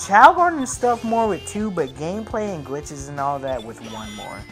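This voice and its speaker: A man's voice: on the high side, sing-song, moderate pace, fairly bright tone. Rambling young man over game music. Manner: rambling, informal, slangy. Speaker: gaming video host. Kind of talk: casual game commentary. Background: video game music.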